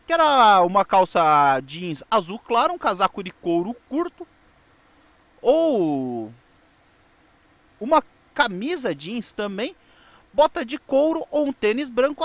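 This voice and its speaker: A Brazilian man with a notably high voice narrates from a script. His intonation swings in a lively way, and the reading is slightly halting. The sound is dry and close, with very little room. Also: no echo. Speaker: presenter of a TV history show. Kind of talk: scripted narration about television history.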